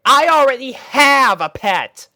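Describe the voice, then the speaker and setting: A man doing a brash tomboy pegasus in falsetto. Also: big pitch swings, slow, creaky, no echo, clean studio sound, heavily acted. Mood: fed up. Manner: high strained falsetto, loud and brash. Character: brash tomboyish female pegasus pony, cocky.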